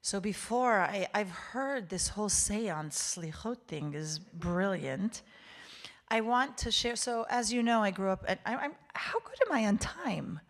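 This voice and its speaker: A woman's voice: medium pitch, lively intonation, unhurried. A woman who is a native Hebrew speaker, giving a heartfelt, emphatic inspirational address to a congregation as a guest speaker, repeating phrases for effect. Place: speaking live to a synagogue congregation.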